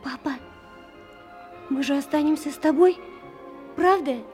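A woman's voice: high voice, measured pace, darkish tone, faint music behind. An actress playing a pleading young girl, a commander's devoted daughter, in a war radio drama.

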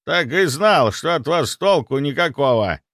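A gruff old apothecary grandfather who barks orders and sneers at the doctors, as a male narrator plays him. Loud, raised and scornful, in a dry, close recording. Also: on the high side, animated, unhurried, dry recording, voice pushed up, full character voice.

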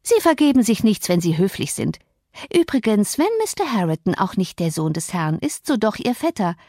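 A woman's voice: medium pitch, big pitch swings, moderate pace, warm tone, dry recording, clean studio sound. A woman voicing a blunt, plain-spoken farm maid in an audiobook, firm and matter-of-fact.

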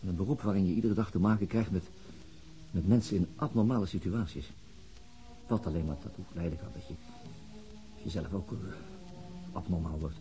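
Male actor as brooding veteran police detective, middle-aged, low voice, radio play naturalism. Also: brisk, pauses often, dark tone, faint music behind, lightly acted, low-quality recording. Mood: weary, brooding. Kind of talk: naturalistic Dutch radio drama acting.

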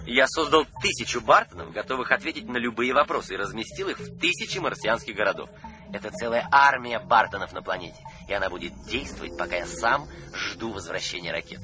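A man's voice: fairly low pitch, expressive, brisk, close to an everyday voice. Actor as cocky young man, swinging intonation. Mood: breezy, self-satisfied. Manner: mocking, breezy, theatrical. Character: cocky, cruel twenty-year-old man, recorded voice of younger self. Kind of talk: radio drama acting. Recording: background music under the voice.

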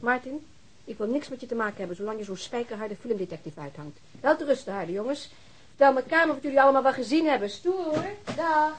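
An actress playing a mocking, exasperated woman in a radio drama, with a husky voice. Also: sits high, expressive, fast talker, slight background noise, low-quality recording. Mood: sarcastic, exasperated. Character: sarcastic, fed-up woman scolding tough detectives.

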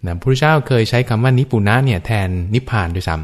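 A man who is a Buddhist monk, patiently explaining teachings on a radio Dhamma discussion, with many soft fillers. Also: medium pitch, animated, fast talker. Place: radio studio.

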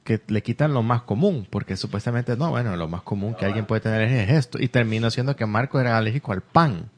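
A man's voice: lowish voice, fairly quick. Male co-host, asks questions, jokey banter. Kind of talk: casual chat.

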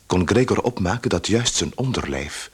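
An actor as a grave, measured storyteller giving literary narration in a radio play. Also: male voice, deep voice, expressive, slightly rough, heavily acted.

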